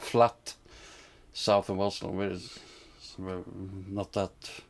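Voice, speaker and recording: With a Norwegian accent, a man speaks at a fairly low pitch. His pace is very slow. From Norway. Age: 50s. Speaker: musician. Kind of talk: casual interview.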